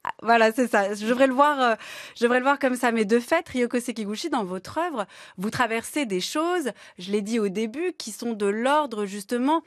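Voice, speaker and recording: A woman's voice: on the high side, moderate pace, no echo, studio quality. A woman hosting a radio interview, asking long articulate questions with an occasional filler. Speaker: radio host.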